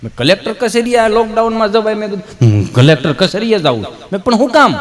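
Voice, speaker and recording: A stand-up comedian tells Gujarati folk comedy stories on stage at a fast pace, animatedly acting out the dialogue with sudden jumps in pitch. A stage mic picks him up, with long reverb from the hall.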